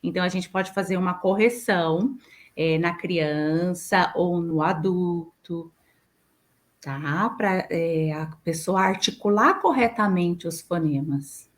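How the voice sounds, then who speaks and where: A woman's voice: on the low side, slow pace. A middle-aged Brazilian woman, a speech therapist, explaining patiently in an interview and giving examples.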